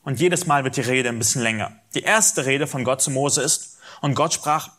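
A man's voice: medium pitch, normal speed, fairly bright tone. A man preaching a sermon, teaching from the Bible, speaking directly to his listeners and acting out quoted dialogue with animation.

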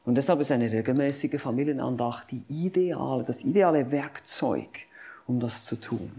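A man's voice: medium pitch, moderate pace, mellow, slightly rough. A man preaching a sermon, emphatic, asking his listeners questions and stacking up repeated phrases as he talks to them directly.

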